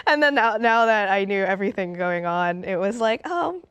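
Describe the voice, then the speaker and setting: A woman's voice: medium pitch, fairly quick, a bit bright. A woman, a former host, chatting casually on a podcast and laughing often. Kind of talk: casual chat.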